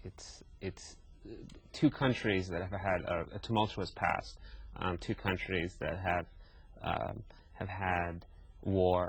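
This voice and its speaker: A man with an American accent speaks very slowly in a very deep, low, somewhat breathy voice, with ordinary pitch variation and long, frequent pauses. The recording is very clean, with a silent background. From Iraq and US. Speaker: filmmaker. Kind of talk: interview.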